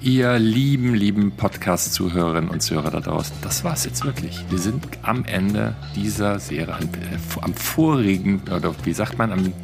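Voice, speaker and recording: Gravelly deep-voiced podcast co-host. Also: male voice, expressive, moderate pace, hardly any pauses, music in the background. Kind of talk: casual podcast sign-off.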